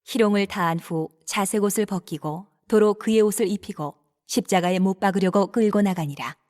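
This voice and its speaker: A woman narrates a dramatized scripture text. Her pitch sits in the middle for a female voice. She reads in a measured way and enunciates each phrase. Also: darkish tone.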